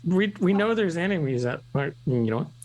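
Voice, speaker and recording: A woman's voice: fairly low pitch, expressive, normal speed, over a noisy crowd. A woman playing a tabletop game, chatting casually with a blunt, teasing manner.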